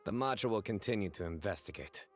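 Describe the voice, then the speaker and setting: An actor playing a stern, composed young investigator in a video game, speaking in a formal, measured, deadpan way. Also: male voice, on the low side, faint music behind, natural voice. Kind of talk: scripted game dialogue.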